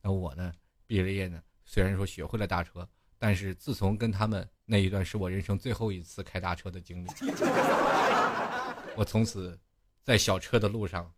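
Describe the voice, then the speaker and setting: A man hosting a studio show, telling a comic anecdote in an animated way and laughing at his own story. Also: sits low, moderate pace, slight background noise.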